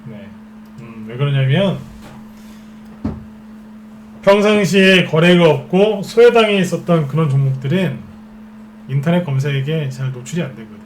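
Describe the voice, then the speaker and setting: A man's voice: fairly high pitch, lively intonation, normal speed, long pauses, a little hiss or hum. A man giving a stock trading lecture as a market expert, who keeps asking rhetorical questions and answering them himself. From Seoul capital region.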